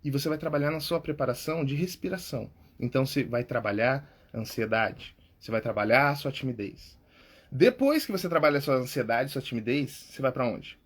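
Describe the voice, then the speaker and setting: A man's voice: medium pitch, lively intonation, brisk, slightly rough. A Brazilian man, a public speaking coach and podcast host, giving tips in a casual, informal way, often checking in with "tá?" and "cara". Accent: Brazilian Portuguese.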